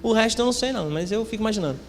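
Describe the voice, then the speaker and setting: A high-pitched male pastor delivering a sermon, rising and falling sharply as he calls out to his brothers. His voice rings through a hall with a long echo. A faint background hum sits under the preaching. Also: animated, racing. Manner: preaching with big swings of pitch and loudness, addressing listeners as brothers. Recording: echoey hall with faint ambient noise.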